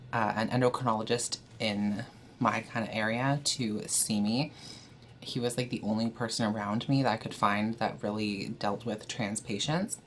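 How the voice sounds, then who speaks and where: A woman's voice: very deep voice, slight background noise. A young trans woman from Canada chatting casually to camera, with frequent fillers and an easy, candid manner. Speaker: vlogger.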